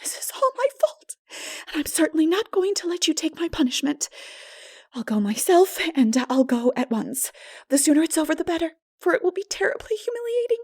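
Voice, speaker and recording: A woman's voice: very high-pitched, big pitch swings, brisk, pitched above the performer's own voice, exaggerated voice. A woman voicing an impulsive, melodramatic, talkative teenage girl in a breathless, exclamatory audiobook reading. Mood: miserable, resolute. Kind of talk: dramatic audiobook character voice.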